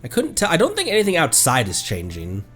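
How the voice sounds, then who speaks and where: A man livestreaming a game with casual commentary, thinking aloud in a halting way. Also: on the high side, huge pitch swings, fairly bright tone, slightly rough, soft background music.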